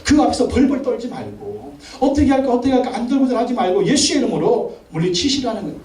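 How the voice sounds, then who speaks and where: Male pastor, high voice, forceful preaching with repeated calls, echoey sanctuary picked up from a distance. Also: sing-song, quick pace. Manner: emphatic, commanding declarations; repeats phrases for emphasis. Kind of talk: Sunday sermon. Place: large church sanctuary.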